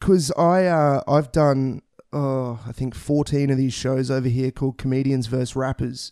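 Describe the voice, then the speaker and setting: Speaking in an Australian accent, a man has a dark, mellow tone at a medium pitch. He keeps a moderate pace and fairly even intonation. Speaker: podcast host and comedian. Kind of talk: casual chat.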